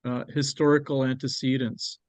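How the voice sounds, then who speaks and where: A man with a Canadian accent presenting on export markets, talking it through with a guest and pausing often on ums and restarts. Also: medium pitch, level tone, no room sound. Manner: hesitant, with many ums and restarts.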